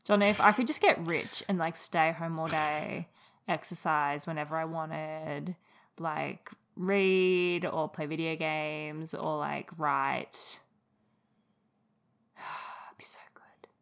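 A woman's voice: low-pitched, fairly even intonation, slow pace, fairly bright tone. A woman in casual conversation as a podcast co-host. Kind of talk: casual chat.

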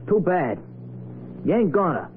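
An actor playing a defiant small-time crook, curt and slangy, in a 1940s radio crime drama. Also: male voice, sits high, big pitch swings, a little slow, phone-quality sound. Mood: surly, defiant. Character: defiant young male small-time crook, tough-guy. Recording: noisy, phone-thin vintage radio recording.

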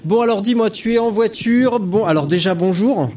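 A man's voice: high voice, normal speed, slight background noise. A man hosting a cycling podcast, chatting casually and hesitating often with fillers. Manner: friendly, many hesitations and fillers. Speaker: podcast host.

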